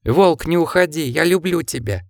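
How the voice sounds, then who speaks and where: A man's voice: mid-range voice, measured pace, no room sound, studio quality, natural voice. A man voicing a twelve-year-old boy, pleading and raising his voice in grief. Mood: anguished.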